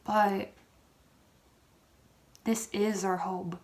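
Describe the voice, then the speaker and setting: A woman performing a scripted dramatic monologue, phrase by deliberate phrase, with pauses for weight. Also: mid-range voice, level tone, a little mellow. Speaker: reader's theater performer.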